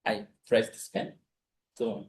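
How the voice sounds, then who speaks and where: A young man from Brazil, a native Portuguese speaker with a Brazilian accent, giving an academic conference presentation in informal, halting English with frequent restarts. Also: lowish voice, level tone, a little mellow, a little hiss or hum.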